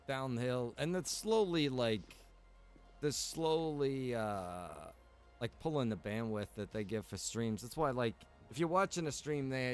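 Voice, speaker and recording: Here a game streamer who also runs a server speaks in a clean, mid-range voice. He chats loosely with his audience while gaming, musing aloud in a wandering way.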